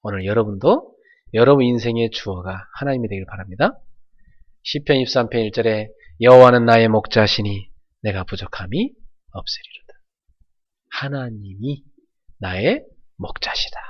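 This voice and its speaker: A man's voice: on the low side, moderate pace, highs cut off. A man preaching a sermon as pastor, in an earnest, conversational way with emphatic swells.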